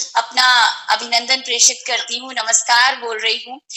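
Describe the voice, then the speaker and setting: A woman speaks at a fairly slow pace. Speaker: headmistress and chief guest speaker. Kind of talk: speech at online event. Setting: video call from a car.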